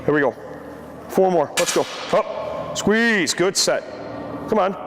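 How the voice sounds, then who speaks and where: A man's voice: sits high, lively intonation, takes it slowly. A man coaching an exercise like an aerobics instructor, calling out short encouraging cues. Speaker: gym trainer, like an aerobics instructor coaching reps. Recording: echoey, noisy gym with long reverb.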